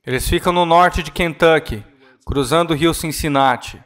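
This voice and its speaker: At a church conference, a man with a slightly high voice and fairly bright tone interprets a ministry talk. He speaks earnestly and steadily, sometimes correcting himself in the middle of a word.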